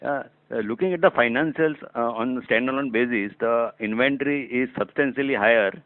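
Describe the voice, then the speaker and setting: A man's voice: medium pitch, fairly quick, no echo. A man asking formal business questions as an analyst caller. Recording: dry, narrow telephone line.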